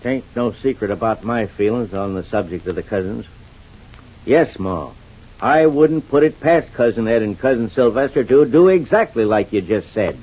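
Folksy rural American man, earnest drawl, husky voice, muffled old radio sound. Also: on the low side, expressive, normal speed, a little mellow. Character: Shuffle, plain-spoken rural older man. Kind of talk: 1940s radio acting. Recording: dull old radio transcription.

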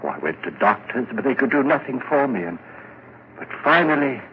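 An actor playing a gaunt, white-haired, haunted musician in an old radio drama, intense and rhapsodic with dramatic pauses. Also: male voice, medium pitch, big pitch swings, close to an everyday voice. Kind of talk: 1940s radio drama acting. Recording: muffled, noisy vintage radio recording.

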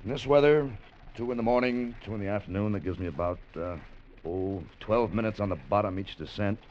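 A steady salvage diver, acted by a man, talks in a calm, measured, cautious way, in a mid-range voice. The old radio broadcast is dull and hissy. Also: fairly low pitch, natural voice. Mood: relaxed. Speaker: deep-sea diver. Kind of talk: 1950s radio drama acting.

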